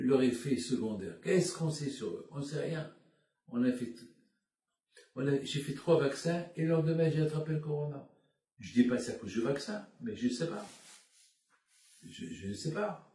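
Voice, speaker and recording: Un homme d'âge mûr, rabbin fatigué, prêche par appel vidéo avec des hésitations et des répétitions ferventes, le son lointain et résonnant. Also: male voice, mid-range voice, warm tone. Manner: halting, repetitive, heartfelt preaching. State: tired. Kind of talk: sermon over a video call. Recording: echoey, distant video call audio.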